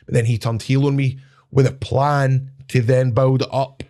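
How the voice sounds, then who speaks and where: A man with a Scottish accent telling animated, swearing-laced stories as a wrestler guest in casual chat. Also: medium pitch, moderate pace. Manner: animated, swears, laughs at his own stories.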